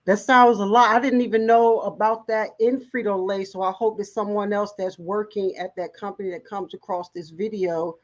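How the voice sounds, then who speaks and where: A woman's voice: medium pitch, fairly even intonation, normal speed, few pauses, muffled recording. A woman hosting an interview, asking encouraging questions and often restarting her sentences. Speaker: talk show host. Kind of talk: interview in recovery show.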